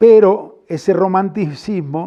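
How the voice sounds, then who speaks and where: A man's very slow delivery with lively intonation. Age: 80s+. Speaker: pastor. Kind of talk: interview answer.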